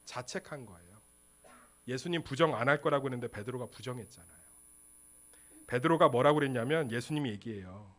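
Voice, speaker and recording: A man preaching a Sunday sermon as pastor, asking the congregation questions and answering them himself, with emphatic, animated delivery. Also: medium pitch, brisk, long pauses. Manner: call-and-response questions to the congregation, lively and emphatic; acts out quoted lines in a casual voice. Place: church sanctuary.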